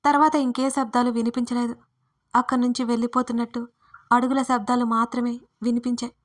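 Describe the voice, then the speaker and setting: A woman author reading her own first-person audio story aloud. Her narration is scripted and steady, with a fairly high voice. The pitch stays narrow and even throughout. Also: brisk.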